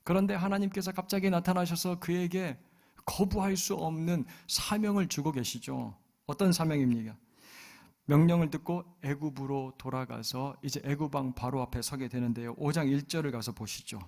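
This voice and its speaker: A man's voice: a little high, normal speed, gravelly, a little mellow. A man preaching a sermon as pastor, often putting questions to the congregation.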